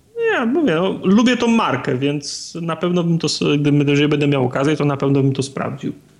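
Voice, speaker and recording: Noticeable background noise sits behind a man speaking at a fairly quick pace and fairly high pitch with lively intonation. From Poland, Gdynia. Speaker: podcast co-host. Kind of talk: casual chat.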